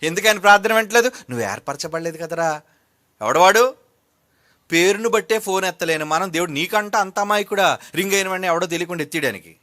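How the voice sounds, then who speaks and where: A man's voice: high voice, expressive, quick pace, bright, forceful tone, dry recording, studio quality. A man with an Andhra Telugu accent preaching a sermon, scolding and mocking his listeners and mimicking the people he criticizes. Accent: Telugu regional, Andhra.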